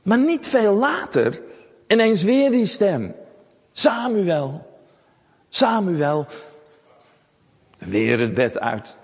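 A man telling a Bible story to children in a lively, animated way, often asking them questions. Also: high voice, slow, vocal fry, husky, in a large hall.

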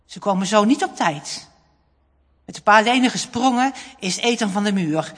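Lively woman reading a story aloud. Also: medium pitch, moderate pace. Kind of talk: expressive storybook narration. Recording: long hall reverb.

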